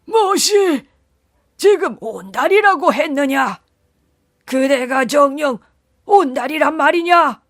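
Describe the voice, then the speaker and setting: A woman's voice: a little high, animated, measured pace, husky, dry recording, clean studio sound, heavily acted. A woman voicing an old king in a children's folktale, speaking in stately, archaic royal speech. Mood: astonished. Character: stern old king of an ancient kingdom. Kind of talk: storybook narration.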